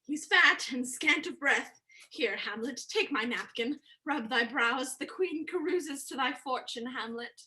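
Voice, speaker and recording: A motherly queen played by a woman, fond yet willful, in a high and bright voice. She reads Shakespearean lines as part of a staged play. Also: unhurried, full character voice. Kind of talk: dramatic reading of Shakespearean verse.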